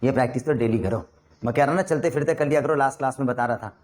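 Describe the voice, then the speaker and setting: A man teaching spoken English in a classroom, calling out Hindi sentences and their English versions as drills, coughing and clearing his throat often. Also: medium pitch, rapid-fire, darkish tone.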